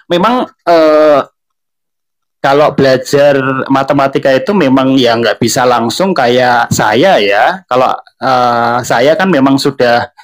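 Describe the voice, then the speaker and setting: A man's voice: mid-range voice, slow pace. A young man with a Central Javanese Indonesian accent, an online tutor talking casually on a live stream, chatty and full of fillers. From Central Java. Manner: chatty, filler-heavy, addresses viewers often.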